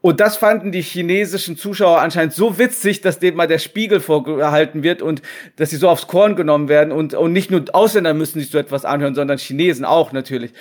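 A man's voice: on the high side, fast talker. Hesitant man on a video call. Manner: hesitant, many restarts and fillers. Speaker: guest. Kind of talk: casual remote interview. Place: at home.

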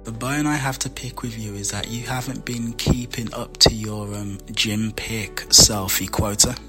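A man with a Jamaican accent and a low, deep voice teases and banters in a casual podcast chat. His tone is bright and forceful, and faint music plays behind him. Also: steady tone, a little slow. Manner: teasing, playful. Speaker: podcast host.

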